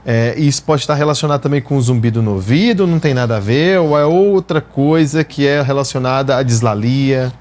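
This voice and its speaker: A man's voice: mid-range voice, a little fast, few pauses, a little mellow. A man with a Brazilian accent, an announcer hosting a TV health interview and asking chatty, playful questions. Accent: Brazilian Portuguese. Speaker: host and radio announcer.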